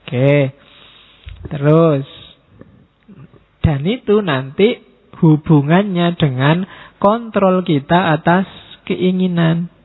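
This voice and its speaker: A man's voice: fairly high pitch, very slow, long pauses, breathy edge. A man giving a casual, teasing philosophy lecture to students at a mosque. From Indonesia. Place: mosque hall. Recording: tinny phone-like sound.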